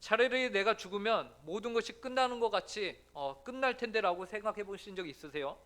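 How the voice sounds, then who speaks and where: A man's voice: high-pitched, animated, a little fast, fairly bright tone. A man pastor giving an earnest sermon in a church, often putting questions to the congregation.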